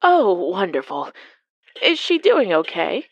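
A woman's voice: medium pitch, sing-song, slow pace, no echo, lo-fi sound, full character voice. A woman voicing a polite, worried lady in an amateur audio drama. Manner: courteous, apologetic. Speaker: client on the phone.

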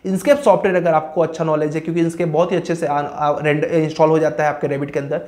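A man's voice: a little high, a little mellow. Male engineering teacher, casual advice lesson, list-driven, drops English terms into his talk. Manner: explains through lists and checks in with "okay". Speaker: civil engineering educator. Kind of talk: informal career-advice lesson.

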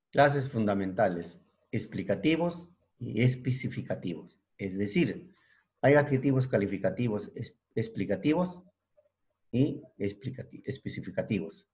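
A man teaching a secondary school language class, explaining slowly, restarting words and checking understanding with frequent short questions. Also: fairly low pitch, darkish tone. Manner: spells out word forms slowly, restarts words. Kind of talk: classroom lecture.

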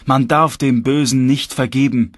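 A man's voice: medium pitch, fairly even intonation, moderate pace, no room sound, clean studio sound, lightly acted. A man voicing a cold, uncompromising young male magician who speaks with stern, unwavering conviction.

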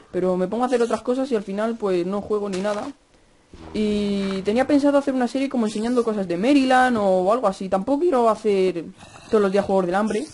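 A young man with a Spanish accent from Spain chatting fast over Minecraft gameplay, cursing and yelling at the mobs. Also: high-pitched. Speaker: gaming youtuber.

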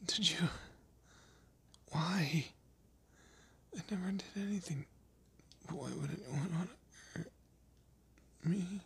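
A man acts out a scared young captive of a vampire in an audio roleplay. His voice is very husky and breathy, and he speaks slowly and haltingly, stammering as he pleads. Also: mid-range voice, lively intonation, fairly bright tone, exaggerated voice. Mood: hurt, bewildered. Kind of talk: amateur audio roleplay drama, one-sided dialogue.

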